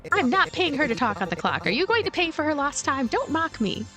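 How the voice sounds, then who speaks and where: Woman putting on a shrill, snappish elderly lady ghost. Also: big pitch swings, fairly quick, pushed and bright, soft background music, exaggerated voice. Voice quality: hoarse, shrill when angry. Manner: scolding, imperious.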